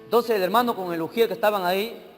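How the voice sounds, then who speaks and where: A male preacher telling a story in a sermon. He swings dramatically between loud emphasis and hushed narration. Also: high voice, fast. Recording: church hall with long reverb, faint music.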